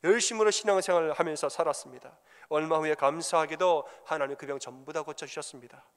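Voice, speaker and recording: A pastor preaches with emphatic repetition and tells stories. His voice is fairly high for a man. It rings out in a reverberant church sanctuary. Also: fast, fairly bright tone, clear, resonant tone. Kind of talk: sermon.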